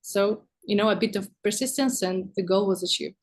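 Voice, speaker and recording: A woman's voice: mid-range voice, normal speed. A woman who is not a native English speaker, chatting casually as an interview guest about her work as a visual artist, often searching for words.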